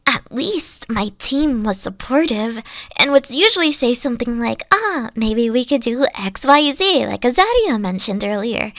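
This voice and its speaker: A woman voicing a gentle, insecure young three-tailed kitsune girlfriend in an ASMR roleplay, speaking softly with frequent whispers and sighs. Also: fairly high pitch, dry recording, clean studio sound, heavily acted. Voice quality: soft, whispery, sighing. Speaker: team lead.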